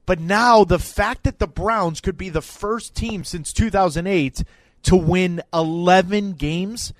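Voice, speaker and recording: A man from Minnesota co-hosting sports talk radio, joking and energetic as he breaks down a game. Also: high voice, dry recording. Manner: energetic, jokey, swings between loud and soft. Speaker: sports radio co-host, former player analyst.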